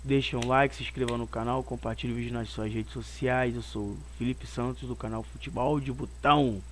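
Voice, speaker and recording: Brief: hoarse Brazilian man with a cold, mid-pitched, opinionated football channel host who rambles and restarts. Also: fairly even intonation, a little fast, slight background noise. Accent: Brazilian Portuguese. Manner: rambling and opinionated, circles back on his points. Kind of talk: casual football commentary.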